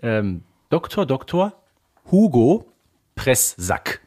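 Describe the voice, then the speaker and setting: A man with a husky, mid-pitched voice and very lively intonation speaks as a podcast co-host. He is playful in casual fan talk and likes to build up each point theatrically. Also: slow pace.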